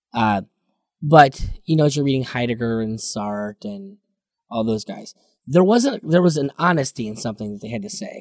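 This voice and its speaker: With an ordinary speaking voice, a man talks at a moderate pace and medium pitch, with lively intonation, big swings in loudness, and a dry, close sound with no echo. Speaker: podcast host. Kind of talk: casual chat.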